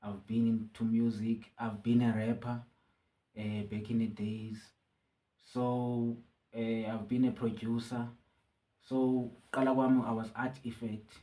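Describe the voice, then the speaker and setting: South African male musician guest, easygoing, hesitant restarts, mid-pitched. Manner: relaxed, halting with many restarts. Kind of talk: casual interview, code-switching.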